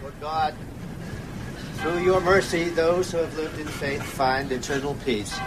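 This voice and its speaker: Actor as a solemn priest, high-pitched male voice. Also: steady tone, background noise, lightly acted. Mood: solemn praying. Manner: solemn, liturgical, measured. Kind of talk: radio drama acting.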